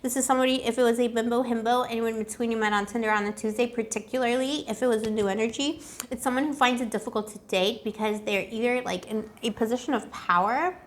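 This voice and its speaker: A woman with a fairly high voice hosts a casual love tarot reading. She talks straight to her viewers in a playful, rambling way, full of pet names and asides. Her voice sounds a little worn, as if it is starting to go. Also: fairly even intonation, fast talker, slight background noise. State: slightly losing her voice. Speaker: tarot reader and channel host.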